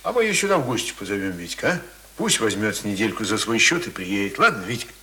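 An actor in a radio drama playing a folksy, gruffly kind village uncle, colloquial and protective, on a hissy old recording. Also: male voice, on the low side, sing-song, sharp tone. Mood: reassuring, firm. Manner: folksy, colloquial, halting muttering and exhorting.

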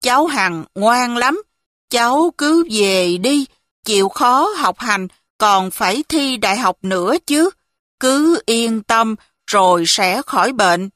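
A woman voicing a kind elderly village scholar who speaks slowly and soothingly. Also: fairly high pitch, animated, fairly bright tone, no echo, clean studio sound. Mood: gentle, reassuring. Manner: slow, soothing, reassuring. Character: kind old village scholar, calm and gentle.

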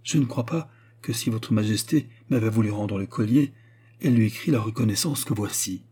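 A frightened, deferential jeweller from a storybook, played by a man reading aloud. His voice is mellow and husky, agitated and pleading as he protests. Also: on the low side, fairly quick. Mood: respectful, shaken. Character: flustered, frightened male jeweller, respectful and desperate.

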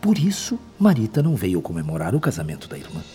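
An actor with a Brazilian accent playing a wise, gentle male spirit mentor in a radio drama, speaking in a measured, solemn, didactic way. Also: fairly low pitch, wildly swooping pitch. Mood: solemn, caring. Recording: long reverb, music behind.

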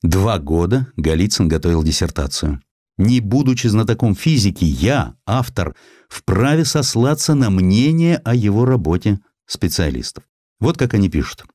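A man reading a historical essay as an audiobook narrator, in an expressive, scripted literary style. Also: fairly low pitch, moderate pace, no room sound, clean studio sound.

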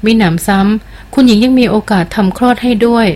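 A woman reading the part of a seasoned male jungle hunter, polite and measured in an audiobook. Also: fairly high pitch, a little mellow, lightly acted. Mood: pleased.

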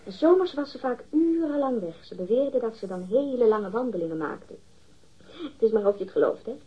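A woman's voice: a little high, animated, moderate pace, breathy edge. An actress in a radio drama playing a catty, defensive woman witness, disdainful and emphatic as she gossips. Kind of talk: acted radio drama dialogue. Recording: dull, muffled lo-fi radio recording.

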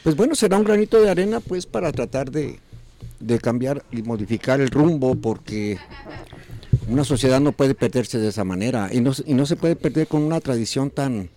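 A man's voice: mid-range voice, lively intonation, fairly quick, dark tone. A Mexican man hosting a casual talk show, rambling with many fillers and restarts. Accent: Mexican Spanish. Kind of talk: casual radio chat.

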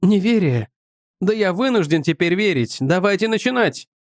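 A man's voice: high voice, expressive, normal speed, dry recording, clean studio sound, pitched above the performer's own voice. A man voicing an impatient, eager young man in an audiobook, raised and urgent. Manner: urgent, insistent. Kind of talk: audiobook character voice.

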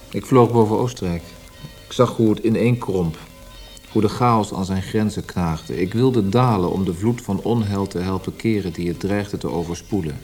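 Melancholy male poet, low voice, soft dark timbre, lyrical delivery, radio play. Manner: lyrical, introspective. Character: brooding, weary, melancholy male Austrian poet. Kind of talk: literary radio drama acting.

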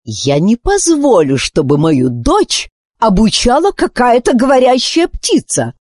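Give me an indignant, cold-hearted queen, put on by a woman reader, higher and clipped. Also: very animated, moderate pace, darkish tone, no room sound, studio quality. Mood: haughty. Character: haughty, icy, angry woman queen.

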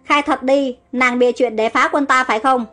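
A woman's voice: high voice, fairly even intonation, normal speed, a bit bright. A woman reading a cruel suspicious king. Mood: domineering. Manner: domineering, harsh.

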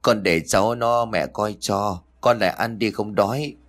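A man voicing a gentle, patient old grandmother who speaks softly and humbly. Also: on the low side, a little slow. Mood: pleading. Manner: soft, pleading, humble.

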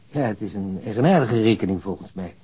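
Formal bank official, soft dark tone, husky, precise, radio drama. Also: male voice, fairly low pitch, animated, fairly quick. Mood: precise, businesslike. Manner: formal, explanatory.

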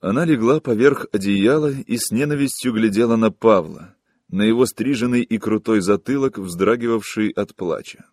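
A man reading a literary story aloud in measured, even narration. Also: on the low side, dry recording, clean studio sound. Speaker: audiobook narrator.

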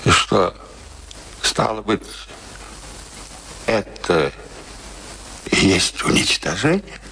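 An actor in a radio play playing an ailing, stubborn, embittered old soldier, gruff and scornful, afraid of death. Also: male voice, on the low side, very animated, very slow, pushed and bright, a little hiss or hum, full character voice, poor audio. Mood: weary, fearful. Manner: gruff, scornful, theatrical outbursts.

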